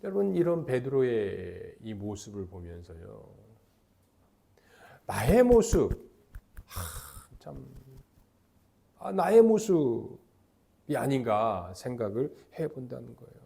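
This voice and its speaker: A middle-aged man preaching a sermon as pastor, emphatic and lively, leading the congregation in call-and-response chants. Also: mid-range voice, takes it slowly, gravelly, long pauses.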